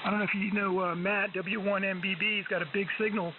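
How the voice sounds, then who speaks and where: Male ham radio operator, high voice, hesitant casual chat, noisy static. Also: little pitch movement, quick pace. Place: amateur radio transmission on 40 meters. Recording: tinny narrow-band shortwave radio, noisy static.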